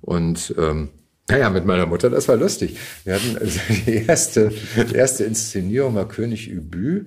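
A man in his fifties telling stories casually in an interview, thoughtful and halting as he searches for words. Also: lowish voice, expressive, a little mellow, husky. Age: 50s. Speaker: actor and podcast guest.

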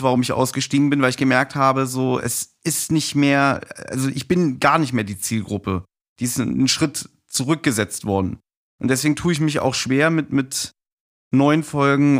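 A middle-aged man talking casually and reminiscing as a guest on a podcast. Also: mid-range voice.

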